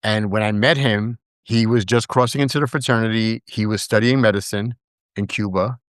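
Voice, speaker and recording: A man with a fairly low, steady, resonant voice speaks at a moderate pace in a clear, studio-quality recording with no room sound. Raised in Brooklyn, New York, and partly in Puerto Rico, with Spanish as his first language, this digital media founder rambles through casual stories as a podcast guest, full of fillers and restarts.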